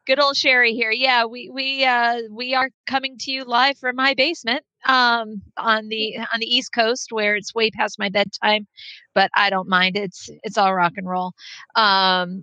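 A woman's voice: a little high, bright, forceful tone, dry recording, low-quality recording. A woman joining a podcast from her home basement, playful and joking. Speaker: podcast panelist. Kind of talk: casual chat. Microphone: video call.

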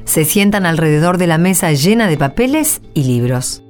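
A woman narrates a radio play in a lowish voice with lively, swinging intonation. Soft music plays behind her scripted storytelling. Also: normal speed.

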